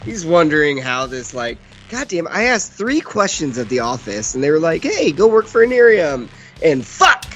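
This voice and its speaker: A man banters as a player at a tabletop game, his pitch swinging widely, swearing in mock exasperation. The sound is a bit dull, with music underneath. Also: big pitch swings, moderate pace, a bit bright, slight background noise.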